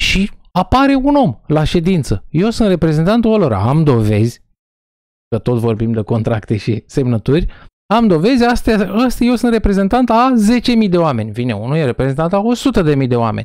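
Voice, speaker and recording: Dry with no echo, the recording captures a man speaking at a moderate pace against a quiet background. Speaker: podcast co-host. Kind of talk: casual discussion. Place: home room. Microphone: studio mic.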